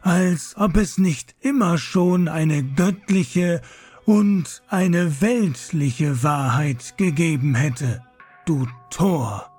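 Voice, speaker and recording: A stern old priest in a radio drama, speaking very slowly in a husky, somewhat high voice. He admonishes solemnly, like a father correcting his charge. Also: a little mellow, soft background music, heavily acted. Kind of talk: German radio play acting.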